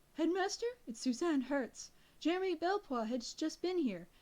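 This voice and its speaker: Using a squeaky put-on character voice, a woman speaks at an extremely high pitch. Her pitch leaps very widely while her pace stays moderate. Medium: read story. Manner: brisk, formal, evasive.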